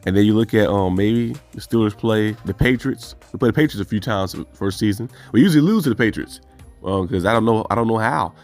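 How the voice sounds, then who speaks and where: A man's voice: on the low side, a little fast, a little mellow, faint music behind. A man hosting a fan channel, talking through team news in a loose, rambling way and correcting himself as he goes. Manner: rambling, thinks aloud, self-correcting. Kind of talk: casual solo sports commentary.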